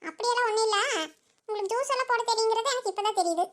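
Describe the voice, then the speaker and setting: A woman voicing a gentle young village wife in a cartoon, protesting softly. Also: very high voice, rapid-fire. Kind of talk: cartoon voice acting.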